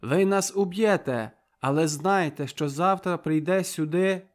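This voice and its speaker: A man's voice: a little high, a little slow, lightly acted. A man doing a fiery captive soldier orator. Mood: fiery, defiant. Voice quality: sharp, fiery voice. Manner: impassioned pleading speech, raised and loud.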